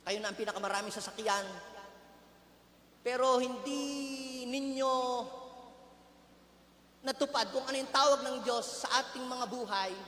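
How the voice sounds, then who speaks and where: A man's voice: very high voice, unhurried, long pauses, bright, forceful tone. A man preaching a rousing sermon to a congregation in a church hall, urging them to speak to their neighbours. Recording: echoey hall.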